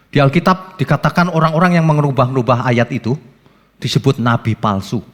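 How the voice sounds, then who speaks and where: A male pastor preaching a sermon, swinging between high exclaims and low asides, with many rhetorical questions. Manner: lively preaching with sudden rises and drops, rhetorical questions. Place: church hall. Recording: long hall reverb.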